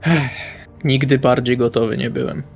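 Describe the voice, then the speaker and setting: Male RPG player, mid-range voice, colloquial and wry, improvised character talk with soft music behind. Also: mid-range voice, a little slow, vocal fry. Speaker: tabletop role-playing player. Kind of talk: improvised in-character dialogue, casual.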